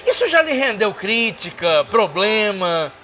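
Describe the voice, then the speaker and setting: A man hosting a casual bar interview, asking questions in a relaxed, conversational way. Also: high-pitched, measured pace. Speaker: interviewer host.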